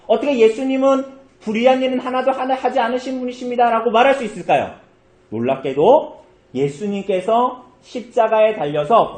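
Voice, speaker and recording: A high, very lively man's voice preaching a sermon, his pitch swinging up and down as he tells the story. He keeps asking the congregation questions, and the sound rings around a roomy church. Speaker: pastor.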